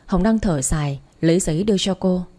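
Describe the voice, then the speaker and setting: A woman narrating a romance story in a steady, even way. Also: lowish voice, a little fast.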